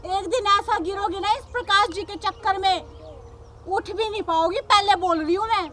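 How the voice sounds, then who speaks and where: A woman's voice: very high voice, normal speed, noisy background. A woman playing a defiant young daughter-in-law, a police officer, who lectures her mother-in-law combatively. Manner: combative, lecturing, repeats "samajh gaye".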